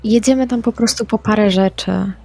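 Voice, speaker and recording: A woman speaking in character in a tabletop roleplaying game, calm and brief. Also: medium pitch, normal speed, vocal fry. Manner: calm, short replies with spoken actions. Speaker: player.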